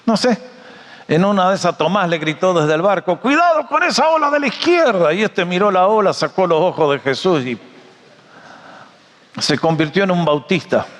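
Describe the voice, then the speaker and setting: A man preaching a sermon, animated and joking, often asking his audience questions. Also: on the high side, big-room sound. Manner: animated, jokey storyteller, asks the audience questions.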